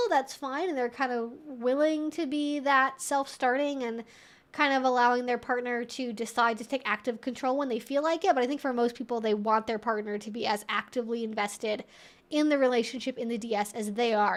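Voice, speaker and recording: A woman with a high voice hosts a live question-and-answer stream with casual educational talk. She explains things casually as she works through her points, often saying "like" and "you know."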